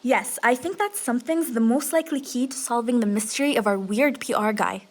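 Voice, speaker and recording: A woman's voice: a little high, a little fast, darkish tone, lightly acted. A woman playing a bossy, dry-witted young adventurer with a decisive manner in a comic fantasy audio drama. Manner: decisive, wry.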